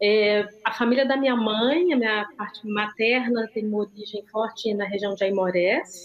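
In a Minas Gerais accent, a woman speaks at a fairly slow pace. Her fairly high voice carries ordinary pitch variation. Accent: Mineiro Brazilian Portuguese. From Belo Horizonte, Brazil. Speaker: visual artist and professor. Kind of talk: interview. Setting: remote video link from traffic. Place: home room. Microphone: video call.

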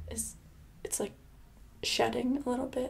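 A soft-spoken woman talks over light background noise. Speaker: streamer or vlogger. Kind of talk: casual chat with a viewer or call guest. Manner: soft-spoken ASMR, intimate and close. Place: home room.

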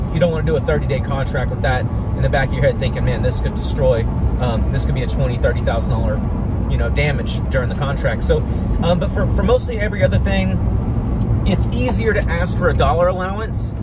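Against loud background noise, a man talks at a very fast pace. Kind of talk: casual vlog chat. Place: car. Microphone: phone near.

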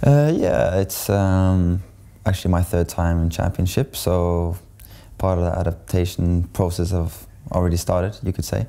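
In a Norwegian accent, a man with a very deep, low pitch and a dark, mellow tone talks at a moderate pace, with ordinary pitch variation and very even loudness. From Norway. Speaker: professional footballer. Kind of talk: interview. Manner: halting. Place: meeting room.

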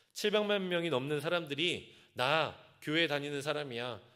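A man's fairly high, bright, sharp voice at a fairly slow pace with ordinary pitch variation. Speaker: pastor. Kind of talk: sermon. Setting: church.

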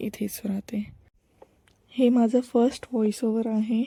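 Somewhat breathy, the voice has a dark, mellow tone and a monotone, flat intonation in a dry, close sound with no echo. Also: woman. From Alibag, Maharashtra (Konkan coast). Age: 20s. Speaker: small business owner (handmade candles). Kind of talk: self-introduction voice-over.

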